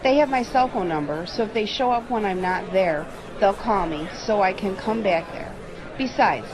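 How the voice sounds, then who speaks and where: A woman acting in an audio drama as an expressive, chatty friend. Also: lowish voice, close to an everyday voice, rough recording. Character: rattled woman, playful old friend, nostalgic for her teens. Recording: busy public background chatter.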